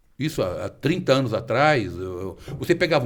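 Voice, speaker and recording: A man talks at a moderate pace with very wide pitch swings. Vocal fry runs through his voice. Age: 70s. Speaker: criminal defense lawyer. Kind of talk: casual interview chat.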